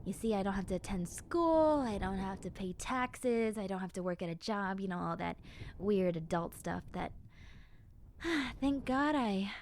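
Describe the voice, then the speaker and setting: A woman playing a gentle, chatty young zombie girl in a roleplay audio drama, musing conversationally to the listener. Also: medium pitch, lively intonation, a little slow, slight background noise. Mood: chatty, reflective. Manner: soft-hearted, conversational, musing.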